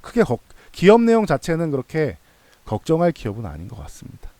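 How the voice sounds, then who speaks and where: A stock analysis channel host speaks casually to viewers, explaining in a reassuring, conversational manner and repeating points for emphasis. The man's voice is a little high and mellow, with huge pitch swings and a quick pace. The recording is dry.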